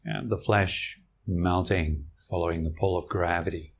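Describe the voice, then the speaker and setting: A man guiding a meditation, speaking slowly and calmly, with long pauses between phrases. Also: deep voice, husky. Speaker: meditation teacher. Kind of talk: guided meditation.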